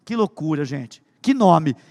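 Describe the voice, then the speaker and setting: A man preaching a sermon with humorous stories, swinging between loud emphasis and hushed asides. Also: on the high side, very animated, a little slow, creaky, big-room sound. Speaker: pastor.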